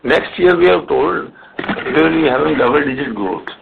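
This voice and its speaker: A man with an Indian accent answering questions as a company executive on an earnings call, in a halting way with repeated words. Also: on the high side, animated, vocal fry, background noise. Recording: muffled narrow phone conference line.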